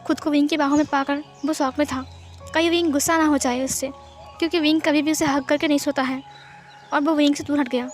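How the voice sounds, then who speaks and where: A woman narrates a fan fiction story in a plain, steady storytelling manner, tagging who speaks each line. Her voice sits high. Faint music plays underneath.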